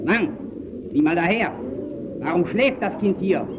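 Through heavy noise comes a harsh man in command, very high in pitch. His voice swings widely as he barks orders in the theatrical manner of 1920s radio drama. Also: lively intonation, measured pace, dull audio. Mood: harsh, threatening. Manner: barked commands, theatrical urgency. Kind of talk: 1920s German radio play acting. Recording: very noisy old archive radio recording.

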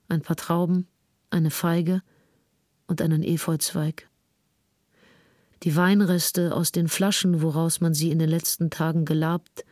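An actress playing a grieving 19th-century woman, reading a written recollection in a measured, formal, sober way. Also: low-pitched, mellow, no room sound, clean studio sound. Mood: solemn, restrained. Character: grieving 19th-century woman recounting her companion's death in writing. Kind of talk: scripted literary reading.

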